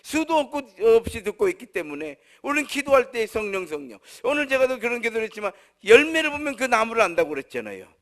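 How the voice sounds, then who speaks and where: A man preaching a sermon as pastor, moving between raised declarations and soft, low asides. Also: big pitch swings, quick pace, few pauses.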